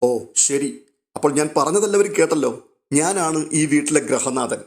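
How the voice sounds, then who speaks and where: A man's voice: a little high, lively intonation, normal speed. A man reading out a stern older father. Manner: commanding, interrogating.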